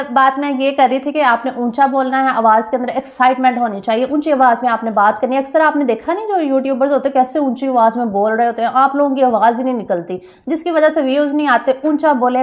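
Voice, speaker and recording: Chatty woman vlogger, slightly hoarse. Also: high-pitched, muffled recording. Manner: chatty, repeats phrases, addresses viewers directly. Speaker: vlogger giving channel tips. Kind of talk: casual vlog talk. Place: small store room on a rooftop.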